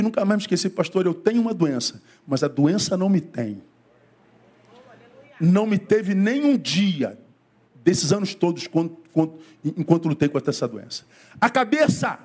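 A middle-aged male pastor preaching a sermon to a congregation in church, with wide swings of pitch and pace, asking the congregation questions.

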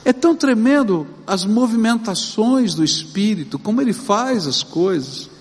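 Middle-aged Brazilian man, high voice, preaching from the pulpit with emphatic, drawn-out stresses, church reverb. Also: animated. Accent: Brazilian Portuguese. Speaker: pastor. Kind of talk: sermon. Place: church sanctuary. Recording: long reverb of a large church.

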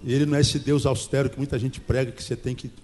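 A middle-aged man preaching a sermon, lively and humorous, mimicking the people he talks about. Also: medium pitch, quick pace, big-room sound, faint music behind. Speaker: pastor.

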